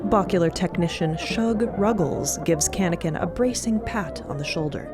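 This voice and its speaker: A woman's voice: fairly low pitch, animated, normal speed. A woman narrating scripted fiction as a podcast storyteller. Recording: loud music under the voice.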